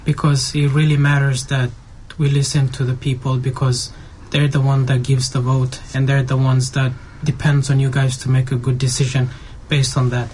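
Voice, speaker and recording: Even-toned man over faint background noise. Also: medium pitch, normal speed, hardly any pauses. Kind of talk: earnest opinion in group discussion.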